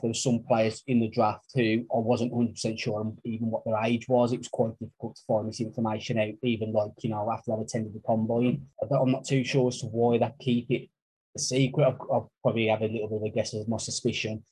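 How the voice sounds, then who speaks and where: A man's voice: lowish voice, little pitch movement, fast talker, mellow, husky, low-quality recording. A man with a Black Country accent talking casually and wordily as a co-host on a sports podcast. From Black Country, England.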